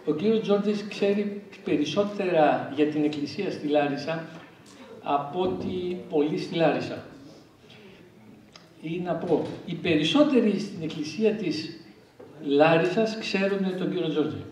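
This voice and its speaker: A man with a somewhat high voice offers a short, grateful tribute as a visiting guest, speaking straight to the honoree. The sound is heavily reverberant and distant, as if from across a large hall. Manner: warm and grateful, addressing the honoree directly. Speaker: guest speaker from another church. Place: hall at a church dinner gathering. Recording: echoey hall from far off.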